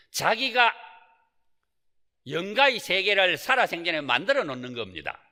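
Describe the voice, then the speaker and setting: Pushed and bright, a high-sitting male voice belongs to a Buddhist monk preaching a Sunday Dharma talk in a temple hall. He leans on rhetorical questions and folksy asides, and the hall adds noticeable reverb.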